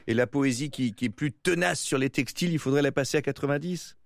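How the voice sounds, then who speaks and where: A male radio host with a medium-pitched voice. He interviews playfully and without a script, drifting into whimsical, mock-poetic musing with a teasing touch. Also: quick pace, gravelly, no room sound, studio quality.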